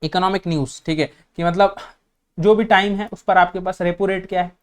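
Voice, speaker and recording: A man's voice: high voice, fairly even intonation, fairly quick, clear, resonant tone. A man from India teaching an online exam-prep lecture, explaining directly to students and running through lists of topics while repeating a filler phrase as he goes. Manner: lists topics, repeats "theek hai" constantly, mixes English terms.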